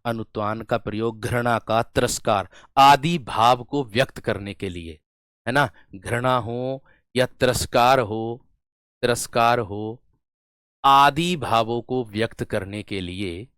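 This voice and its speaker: A man teaching a Hindi class, slowly repeating words, addressing students as friends, while running a fever. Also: mid-range voice, a bit bright, clean tone, dry recording, studio quality. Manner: slow, drawn-out repetition of words. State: has a fever. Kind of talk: online class lecture.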